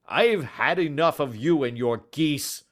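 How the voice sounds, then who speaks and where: A hot-tempered market salesman who barks and shouts, as a male reader acts him out. He sounds gruff and openly hostile. The pitch swings widely as he rants, as in a storybook scene. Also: sing-song, unhurried, heavily acted. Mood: angry shouting.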